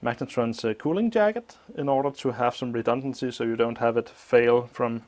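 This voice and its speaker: A man explaining a teardown of an old appliance at a workshop bench, thinking aloud with many pauses, his voice slightly muffled by a mask. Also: medium pitch, darkish tone. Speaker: electronics teardown host. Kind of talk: hands-on technical walkthrough.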